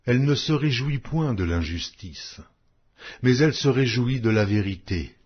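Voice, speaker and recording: A man reading scripture aloud as a scripted audiobook, solemn and measured, with declamatory phrasing. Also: medium pitch, lively intonation, breathy edge. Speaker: audiobook Bible reader. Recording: dull lo-fi audio.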